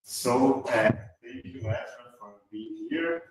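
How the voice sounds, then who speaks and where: A man's voice: medium pitch, slow, background noise. A man with a Brazilian accent, a native Portuguese speaker, informally introducing a speaker as seminar host. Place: university seminar room, indoors. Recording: distant mic in very echoey room.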